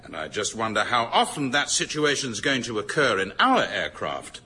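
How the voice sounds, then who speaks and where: An actor playing a smooth-talking male first officer who teases in a dry, drawling way. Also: mid-range voice, sing-song, normal speed, pushed and bright, slight background noise. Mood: sardonic.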